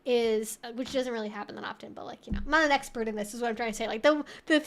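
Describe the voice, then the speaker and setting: Speaking at a racing pace, this woman has a slightly high, somewhat bright voice. As host of an informal livestream Q&A, she reads out viewers' messages and wanders chattily through her thoughts while responding.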